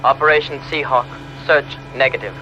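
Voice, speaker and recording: A man's voice: medium pitch, steady tone, fairly quick, muffled recording, over loud music. An actor playing a male airliner pilot who speaks in clipped radio procedure from the cockpit, his voice heard as a radio transmission. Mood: businesslike. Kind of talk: 1960s TV drama radio dialogue.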